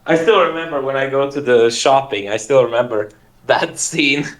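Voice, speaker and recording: A man in a casual chat on a call, speaking haltingly and laughing between phrases. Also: medium pitch. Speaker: guest on a call.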